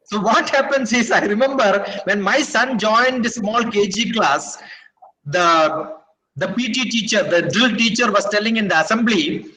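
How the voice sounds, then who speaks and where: A man's voice: high voice, unhurried, pushed and bright, rough recording. A man with a Kerala Indian English accent, a native Malayalam speaker, giving a webinar lecture over a video call. He tells rambling anecdotes and keeps checking in with his listeners. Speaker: guest speaker.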